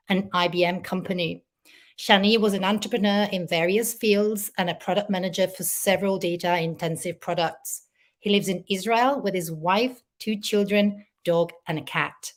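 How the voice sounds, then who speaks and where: A woman hosting a conference session, reading a clear, orderly scripted introduction and announcements. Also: medium pitch. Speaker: session host.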